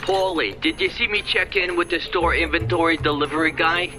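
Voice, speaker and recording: A man acts out a volatile American delivery boss in a story, pitched high. He is bossy, needling and curt, a real bully, with music clearly behind him. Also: steady tone, fairly quick, close to an everyday voice. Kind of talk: acted character in a story.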